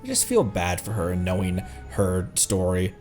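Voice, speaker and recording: A man's voice: sits low, wildly swooping pitch, normal speed, darkish tone, soft background music. A man streaming a game with casual, playful commentary, often stammering and repeating his words as he reacts.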